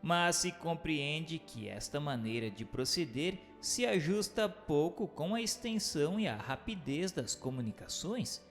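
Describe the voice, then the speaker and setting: A man reads a scripted book for radio in a formal, measured, didactic way. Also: on the high side, lively intonation, soft background music. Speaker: narrator.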